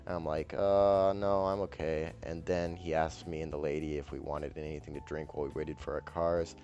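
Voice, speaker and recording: A man telling a personal story in a flat, deadpan monotone, with soft music playing behind him. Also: extremely low pitch, fairly quick, dull audio. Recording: faint background music.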